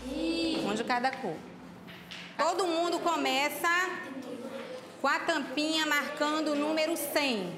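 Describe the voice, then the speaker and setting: High-voiced Brazilian teacher in an echoey classroom. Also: female voice, takes it slowly, long pauses, a crowd in the background. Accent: Brazilian Portuguese. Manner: lively, addressing a class. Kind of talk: classroom instruction. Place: classroom, indoors.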